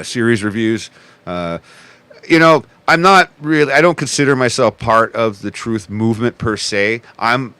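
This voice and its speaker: A man's voice: mid-range voice, sharp tone, clean tone. A man in his forties, a podcast guest in casual chat, rambling with restarts and profanity. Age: 40s.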